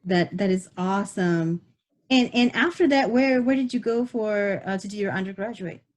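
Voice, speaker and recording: A woman's voice: medium pitch, moderate pace, darkish tone. A woman interviewing a student, asking questions in an encouraging way and often stumbling over and repeating words.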